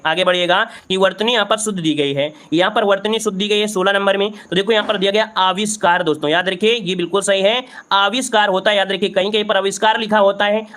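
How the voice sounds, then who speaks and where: A male tutor runs a live exam-prep lesson. His voice sits high and sounds bright and forceful. He moves through the answers briskly and repeats each one for his students. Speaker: teacher.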